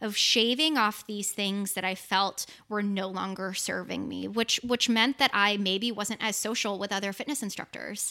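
A woman speaks with an American accent at medium pitch and a fairly slow pace. Her tone is bright and sharp, with ordinary pitch variation. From Boston, Massachusetts. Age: 30s. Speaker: pilates instructor. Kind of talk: casual chat. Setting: in-person interview.

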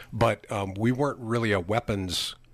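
A man with an American accent and an unremarkable speaking voice talks at a moderate pace with ordinary pitch variation, in a very clean recording over a silent background. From US Midwest. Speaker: radio host. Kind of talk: radio interview. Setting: radio studio.

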